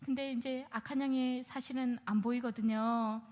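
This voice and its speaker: A woman giving a personal testimony as a former shaman, telling her story in an animated way and acting out her own past words. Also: on the high side, moderate pace. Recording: long hall reverb.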